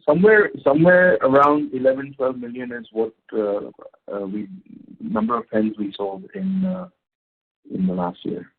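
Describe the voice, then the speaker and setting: A man answering questions as a company executive on a conference call, speaking in halting, unscripted phrases. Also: mid-range voice, big pitch swings, vocal fry, husky. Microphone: phone conference call. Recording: tinny narrow phone line.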